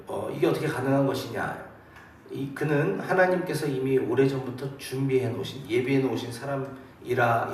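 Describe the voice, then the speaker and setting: A male pastor, hoarse from a cold, preaching a calm, measured sermon in a military chapel. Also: medium pitch, recorded from a distance, slight background noise. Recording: echoey hall, mic heard from afar.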